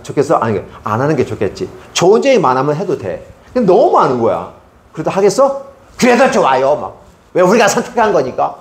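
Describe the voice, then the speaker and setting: A man giving a sermon to children as a Sunday school preacher, animated and quizzing his listeners with frequent questions. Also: mid-range voice, roomy sound. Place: church hall.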